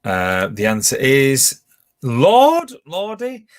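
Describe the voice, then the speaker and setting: A man's voice: medium pitch, wildly swooping pitch, slow. A man hosting a pub quiz from home, chatting casually as he reads out questions, answer options and team scores. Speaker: quiz host.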